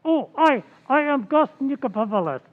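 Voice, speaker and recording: A man voicing an excitable Greek waiter in an old-time radio play, speaking emphatic broken English with a Greek accent. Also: very high voice, normal speed, voice pushed up. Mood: eager, insistent. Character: excitable Greek waiter, eager to tell police everything. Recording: thin, tinny radio-like sound.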